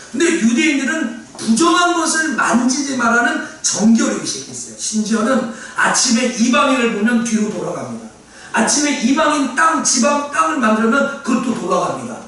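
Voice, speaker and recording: High, lively man preaching in an echoey church. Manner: emphatic, repeats key phrases, sometimes shouting. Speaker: pastor. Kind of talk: sermon. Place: church sanctuary. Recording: echoey church hall from far off, faint ambience.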